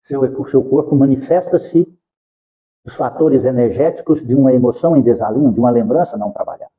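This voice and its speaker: A man lecturing at a spiritist center in an animated, rhetorical way, later leading a prayer, in a dull lo-fi recording. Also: medium pitch, fairly quick, breathy edge. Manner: animated, rhetorical questions, acts out quotes.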